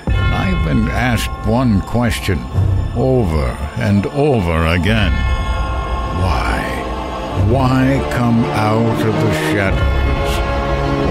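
An ancient, proud demon duke of hell, speaks in a low voice with very slow, solemn pacing. The monologue is grandiose and weary, in audio drama style, with music clearly playing underneath. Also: male voice, exaggerated voice.

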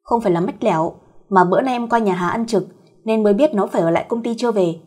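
A woman's voice: medium pitch, fast, darkish tone, husky, natural voice. A woman voicing a cheeky, teasing, protective young female cousin in a fireside storyteller's audio tale. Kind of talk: acted dialogue in an audio story.

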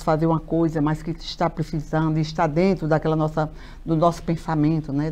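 A woman, a mayor talking animatedly as a guest in a TV studio interview, with many fillers and repeated words. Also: deep voice. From Paraíba, Brazil. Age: 50s. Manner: animated, gestures a lot, many fillers and repetitions. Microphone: lapel mic.

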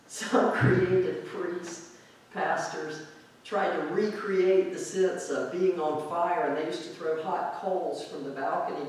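A male pastor giving a reflective, conversational sermon in a church sanctuary, drawing out key words slowly for emphasis. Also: on the high side. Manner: reflective, conversational preaching with slow drawn-out emphasis. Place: church sanctuary with pipe organ, indoors. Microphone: far camera at back of sanctuary. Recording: very echoey church hall from far off.

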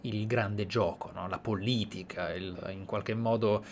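An Italian-accented man hosts a relaxed let's play, musing and enthusiastic as he comments on the game. His voice is lowish, his intonation fairly even, and he takes his time, all over clear game ambience.

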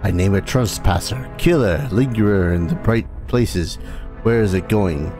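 A man's voice: on the low side, measured pace, over music. A man reading out the lines of a hostile alien creature that speaks into the mind, in his own plain voice. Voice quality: harsh and alien. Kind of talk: reading game dialogue aloud.

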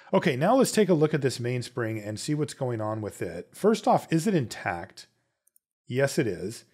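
A man narrates a casual, step-by-step tutorial for his watch repair channel, thinking aloud as he chats through every step. He speaks in a medium-pitched, slightly mellow voice.

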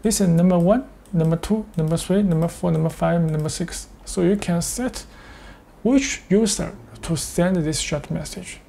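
A man demonstrates a product step by step in halting English. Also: fairly high pitch, gravelly, dark tone. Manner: step-by-step, halting non-native English phrasing. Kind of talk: screen-share tutorial with live demonstration.

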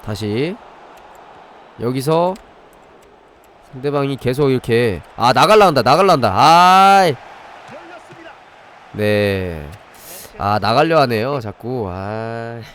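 A man's voice: mid-range voice, lively intonation, slow, long pauses, fairly bright tone, slight background noise. A man hosting a live game stream, explaining things step by step while chatting with viewers. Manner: demonstrates step by step while breaking off to address viewers. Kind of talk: live gaming commentary and review, chatting with viewers.

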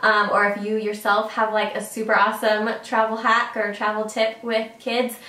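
Speaking at a normal pace in a monotone, this mid-range female voice comes across bright and forceful. She's a young vlogger casually giving travel tips to camera, full of fillers, captured in a roomy space by a distant mic.

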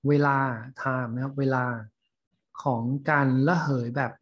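A man teaching a class, explaining English terms in a scientific paper slowly with frequent fillers and pauses. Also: medium pitch, steady tone. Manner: slow, halting, many fillers. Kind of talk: lecture on reading scientific English.

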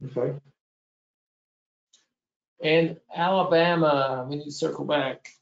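A man moderating an online meeting informally, halting as he thinks aloud. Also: fairly high pitch, steady tone, creaky. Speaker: session moderator. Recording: roomy, dull online meeting audio.

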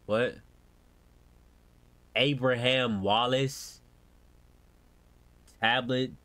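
A man's voice: medium pitch, fairly even intonation, extremely slow, fairly bright tone, no room sound. A young American man doing casual, slangy game reaction commentary as a streamer, often exclaiming. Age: young adult. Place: indoor room at home.

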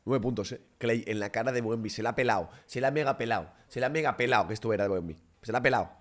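A young man giving excitable live reaction commentary on a basketball game, bursting into shouts. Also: mid-range voice, very fast.

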